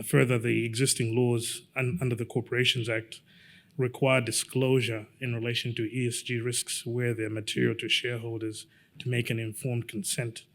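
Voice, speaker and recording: A middle-aged man from Zambia gives a lawyer's conference talk, his voice gravelly and held to a narrow, even pitch. He speaks in a measured, halting way, often pausing on fillers. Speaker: lawyer giving a conference presentation. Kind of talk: conference presentation.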